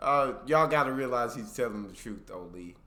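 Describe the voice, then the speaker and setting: Through noticeable background noise and audible room echo, a man with an American accent speaks at medium pitch with very wide pitch swings. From United States. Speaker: YouTube reaction creator. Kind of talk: casual reaction commentary. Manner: casual, conversational.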